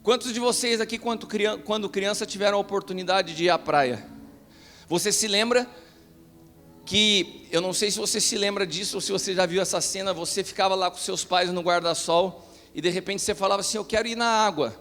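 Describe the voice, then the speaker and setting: Brazilian pastor, middle-aged, emphatic sermon delivery, soft music under a long hall echo. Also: male voice, high voice, fairly even intonation, a little fast. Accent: Brazilian Portuguese. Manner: acts out quoted dialogue, rises to emphatic preaching. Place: large church hall. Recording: live church recording with hall reverb.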